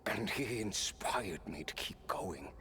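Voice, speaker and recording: A man playing a weary, stoic immortal warrior in a video game, speaking in a measured, wry way. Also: on the low side, animated, bright, forceful tone, a little hiss or hum, exaggerated voice. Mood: wistful, reflective. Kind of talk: scripted game character dialogue.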